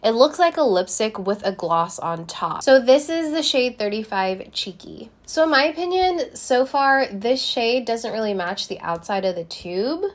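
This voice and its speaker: A young woman talks casually to her viewers while trying on lipstick, explaining each step as she goes. Her voice is a little congested from a recent cold. She is recorded close to the camera in a small room. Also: mid-range voice. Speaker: beauty vlogger. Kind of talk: casual product review.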